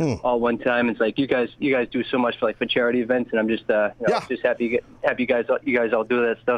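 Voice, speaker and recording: In a Boston accent, a man speaks at a very fast pace with a medium pitch. His intonation is monotone and flat, and his loudness stays very even. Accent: Boston-area New England. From Massachusetts (Haverhill). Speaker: caller. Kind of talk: call-in chat.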